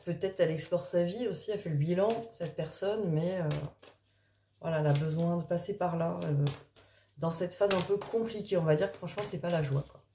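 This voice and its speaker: A woman card reader talking casually in an early-morning voice, improvising and thinking aloud in a halting way with trailing pauses. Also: lowish voice, mellow, a little hiss or hum. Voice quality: early-morning voice, which the speaker calls gruff. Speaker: tarot card reader and spiritual coach. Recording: echoey, reverberant room.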